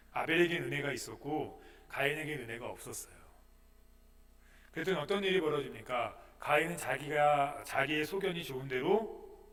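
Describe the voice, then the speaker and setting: Bright high-voiced man preaching from afar. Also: far from the mic. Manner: preaching with rhetorical questions, swings from soft to loud. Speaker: pastor. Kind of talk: sermon. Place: church sanctuary.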